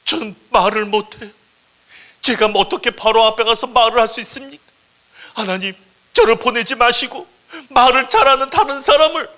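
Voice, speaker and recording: A man's voice: extremely high pitch, normal speed, bright, forceful tone, pitched above the performer's own voice. A man voicing a timid, unsure Moses who pleads in a startled, anxious way. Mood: pleading.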